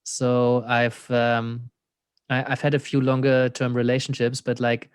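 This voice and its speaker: A man's voice: mid-range voice, monotone, a little slow, clear, resonant tone, no echo, clean studio sound. A man with a German accent, an existential coach talking thoughtfully as an interview guest, laughing often and leaning on "you know.". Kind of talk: reflective conversational interview.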